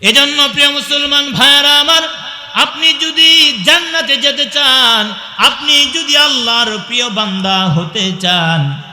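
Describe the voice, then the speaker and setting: A man with a Bangladeshi Bengali accent delivers a waz sermon, moving from slow, drawn-out chanted recitation into preaching that calls out to the crowd. His voice sits high and sounds piercingly bright. Long reverb from a large hall rings around every phrase. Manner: chants Arabic verses in a slow singsong, then preaches with rising calls to the crowd.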